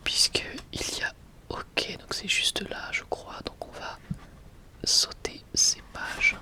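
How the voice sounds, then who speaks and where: An ASMR video creator whispers softly and breathily in an informal, hesitant, unhurried showcase. The voice is a soft, breathy, unvoiced whisper.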